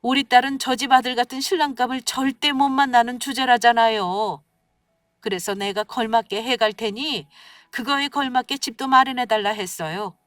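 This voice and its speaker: A woman's voice: on the high side, normal speed, no echo, far from the mic, voice pushed up, natural voice. Woman voicing a stern, scolding mother. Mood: indignant. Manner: sharp, scolding. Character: stern middle-aged mother, angry and protective.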